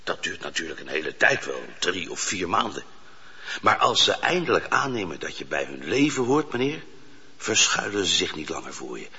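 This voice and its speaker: An actor playing a humble, earnest poacher in a radio drama, explaining himself deferentially and insistently. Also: male voice, deep voice, big pitch swings, normal speed, sharp tone, husky, full character voice. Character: humble, earnest male poacher held prisoner. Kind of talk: Dutch radio drama acting. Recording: muffled, reverberant radio drama recording.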